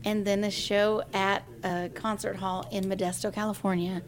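A woman's voice: medium pitch, normal speed. A woman in her forties, a singer, telling a personal story in an interview and acting out the voices of the people she quotes. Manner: lively storyteller who acts out quoted voices.

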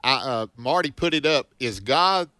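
Male Christian call-in host, bright forceful exhorting voice, dry studio sound. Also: medium pitch, animated, normal speed, no room sound. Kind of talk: evangelical call-in talk, exhorting.

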